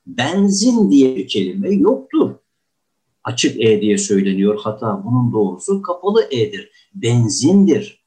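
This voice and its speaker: A man's voice: mid-range voice, very animated, a little slow, warm tone. An older man giving a diction lesson in a courtly manner, often saying "efendim" and acting out example words in exaggerated tones. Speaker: diction teacher. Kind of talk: lecture on pronunciation.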